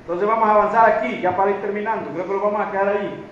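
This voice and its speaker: A man's voice: high voice, fairly even intonation, racing. A man preaching a sermon to a congregation, often checking in with "right?" and repeating a call for God's help. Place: church hall. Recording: very echoey, muffled church recording with faint noise.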